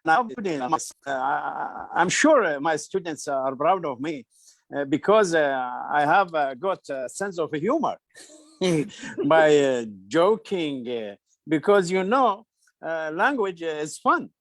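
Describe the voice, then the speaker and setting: An older man with an Iraqi accent, a retired English teacher, introducing himself haltingly with long hesitations in an online group lesson. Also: on the high side, animated, fairly bright tone, no room sound. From Iraq.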